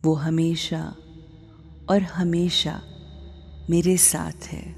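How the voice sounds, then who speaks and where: A woman with a slightly low, mellow voice leads a devotional meditation over background music. She speaks extremely slowly, setting out one short phrase at a time and leaving pauses between them. Her delivery is often hushed and breathy. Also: level tone. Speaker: guided meditation leader. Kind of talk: slow devotional guided meditation.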